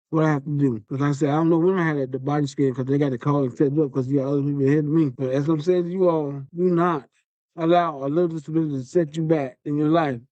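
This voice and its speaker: A man delivers a motivational podcast talk in a rapid, earnest rush, repeating himself to drive each point home. His words come out slurred from facial palsy, in a somewhat raised but dark, mellow voice. The dry, muffled lo-fi recording has no room sound. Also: on the high side, no echo. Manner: earnest, repetitive, encouraging. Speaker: podcast host. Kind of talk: motivational monologue.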